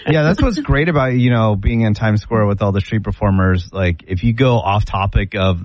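A man's voice: lowish voice, expressive, normal speed, highs cut off. A man co-hosting a radio show, laid-back and wry in studio chat. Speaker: radio co-host.

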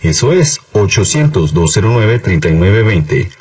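A male ad announcer with a lively, varied voice pushes hard and urgently, repeating the number again and again. He sounds slightly distant from the mic. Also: on the low side, normal speed. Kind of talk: urgent radio ad read.

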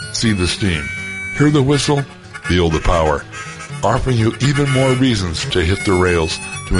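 A male announcer delivers a scripted radio commercial in an upbeat, promotional style. His voice is very deep, and instrumental music plays clearly under him.

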